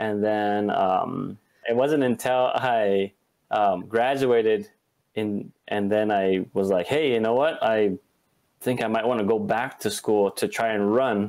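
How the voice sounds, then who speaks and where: Against a quiet background, a speaker with an American accent talks at a fairly slow pace, with fairly even intonation and very even loudness. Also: man. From Montana, Crow Nation; Montana. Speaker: ultrarunner; podcast guest. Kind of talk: casual interview. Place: home room.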